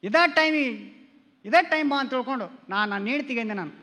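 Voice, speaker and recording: A man's voice: very high voice, expressive, fairly quick, sharp tone, in a large hall. A man doing standup comedy on stage before an audience, telling stories and acting out quoted lines with his wife.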